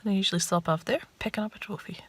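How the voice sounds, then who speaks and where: A woman's voice: mid-range voice, fairly even intonation, rapid-fire, a bit bright, slightly rough. A woman with a Shetland Scots accent chatting casually to a vlog in a wry, understated, rambling way. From Shetland, Scotland. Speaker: vlogger.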